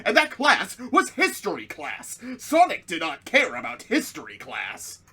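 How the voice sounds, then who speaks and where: A woman's voice: deep voice, huge pitch swings, a little slow, pushed and bright, slightly rough. A woman hosting a comedic dramatic reading, mixing narration with casual banter. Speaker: reader and host.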